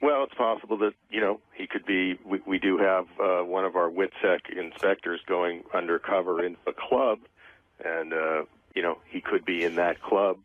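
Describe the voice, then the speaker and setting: A man with a fairly low voice on a thin, phone-like line. He talks as a radio interview guest, hesitant and accommodating. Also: fairly even intonation, normal speed, no echo. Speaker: show guest.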